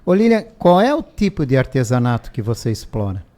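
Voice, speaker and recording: A man's voice: medium pitch, sing-song, fairly quick, warm tone. A man hosting a radio interview, asking short questions and prompting his guest. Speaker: radio host.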